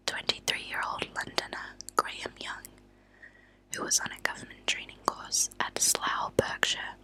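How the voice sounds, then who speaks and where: A woman hosting ASMR, speaking in a soft, breathy, unvoiced whisper with a hushed, deliberate delivery and pauses. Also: low-quality recording. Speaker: ASMR channel host. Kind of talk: whispered ASMR true-crime reading. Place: at a desk indoors.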